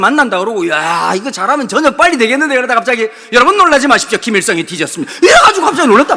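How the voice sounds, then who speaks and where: Over noticeable background noise, a man uses a raised, projected voice at an extremely high pitch in an animated tone. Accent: Gyeongsang. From Korea, Gyeongsang region. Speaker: pastor. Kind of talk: sermon. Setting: church.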